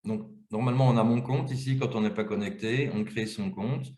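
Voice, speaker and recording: Man demoing software in a roomy echo. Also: on the low side, steady tone, fairly quick. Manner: explanatory, walks through screens step by step. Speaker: webinar presenter. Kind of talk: webinar software demonstration. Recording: roomy, echoey webinar audio.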